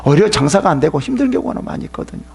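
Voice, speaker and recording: A man's voice: on the high side, very animated, racing, creaky, darkish tone, slightly rough. A man pastor giving an emphatic sermon at a church seminar, addressing listeners sharply and sometimes dropping into a whisper.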